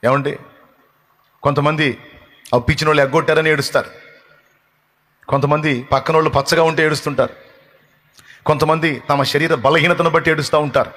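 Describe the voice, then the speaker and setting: A man's voice: on the high side, steady tone, brisk, long pauses, fairly bright tone, long reverb tail. A man preaching an impassioned sermon as a pastor, building his points through long runs of repeated phrases.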